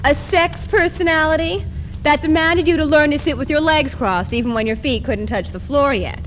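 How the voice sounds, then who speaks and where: High-voiced defiant feminist played by a woman, muffled tape. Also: moderate pace, a bit bright. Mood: impassioned. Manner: emphatic, declamatory. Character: defiant feminist woman declaring her liberation and anger. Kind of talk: dramatic readers theater recitation. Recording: muffled 1970s archive tape with hiss.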